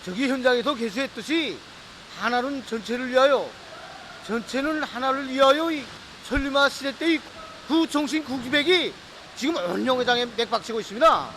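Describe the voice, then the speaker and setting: A man's voice: very high voice, normal speed, pushed and bright, slight background noise, poor audio. A man with a North Korean accent speaking assertively and rousingly in a workplace interview. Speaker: steelworks interviewee.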